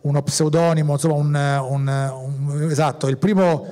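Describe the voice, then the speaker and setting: A man's voice: fairly high pitch, level tone, normal speed, mellow. A man, a director, talking on a festival panel in a rambling way, restarting his sentences often. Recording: reverberant hall.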